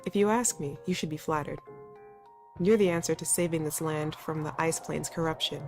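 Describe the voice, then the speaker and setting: A woman's voice: sits low, steady tone, moderate pace, a little mellow, faint music behind. A woman voicing an earnest young exiled prince from a video game, reading his lines aloud in a put-on Australian accent.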